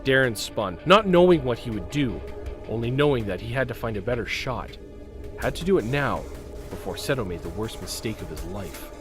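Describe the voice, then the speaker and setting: A man's voice: medium pitch, sing-song, moderate pace, music in the background. A man narrating a scripted audio drama with intense, suspenseful delivery, broken phrase by phrase.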